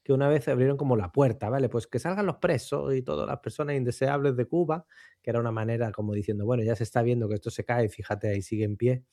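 A man talking through a book and its author in a relaxed radio chat, with thoughtful pauses and tag questions. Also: medium pitch, no echo, clean studio sound. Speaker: book commentator on a radio show. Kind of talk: conversational book commentary.

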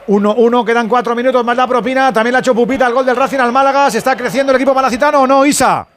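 A man's voice: very high-pitched, steady tone, very fast, a bit bright, a little hiss or hum. A man hosting a live radio football round-up, calling on reporters over a music bed. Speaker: sports radio host.

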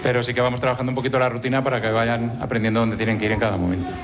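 A man's voice: mid-range voice, level tone, very fast. A man from Madrid with a Spanish accent, a preschool teacher, answering interview questions and explaining patiently. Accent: Spanish from Spain. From Madrid, Spain. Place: school classroom.

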